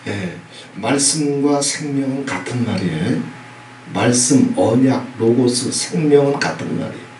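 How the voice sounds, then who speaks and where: A man's voice: mid-range voice, expressive, unhurried. Middle-aged male pastor, emphatic sermon with audience prompts, echoey church recorded from a distance. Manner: emphatic preaching with repeated "예?" prompts and sudden loud bursts. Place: church sanctuary. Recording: echoey hall, from a distance, faint noise.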